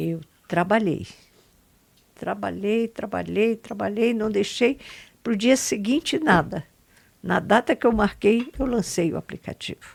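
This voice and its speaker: A woman with a fairly high pitch and vocal fry uses lively intonation, broken by long, frequent pauses. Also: fairly slow pace. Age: 80s+. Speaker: spiritual teacher. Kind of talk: interview.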